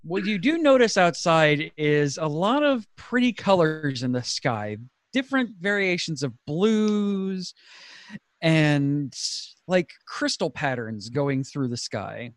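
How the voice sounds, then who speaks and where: A man narrating as game master, relaxed and laughing often, with frequent fillers. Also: a little high, takes it slowly.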